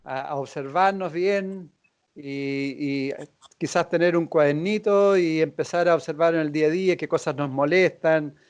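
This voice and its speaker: A man hosting a reflective conversation, calm and affirming, with small hesitations as he builds on his guest's points. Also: on the high side, moderate pace, clean tone, highs cut off. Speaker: host.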